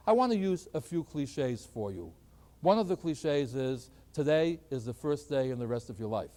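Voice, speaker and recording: A middle-aged man lecturing as a math professor, animated and emphatic, with folksy asides to his students. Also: a little high. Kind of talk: classroom lecture.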